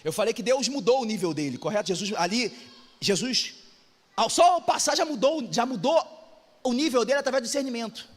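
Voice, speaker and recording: A man with a Brazilian Portuguese accent preaching a fervent sermon, often rising to shouted exhortations, in an echoey church hall. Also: very high voice, lively intonation, a little fast. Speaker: pastor.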